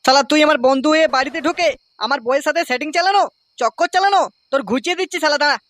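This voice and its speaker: A man's voice: extremely high pitch, rapid-fire, a bit bright, no room sound. A man voicing a jealous, foul-mouthed village husband in a comic cartoon, with a West Bengal accent and a blustering, coarse, threatening manner. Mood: furious, threatening.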